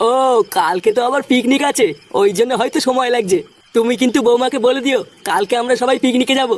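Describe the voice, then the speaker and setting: A woman voicing a crude, bossy old grandfather in a cartoon, talking gruffly and swearing. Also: a little high, quick pace, lightly acted. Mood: calm. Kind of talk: cartoon voice acting. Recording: music behind.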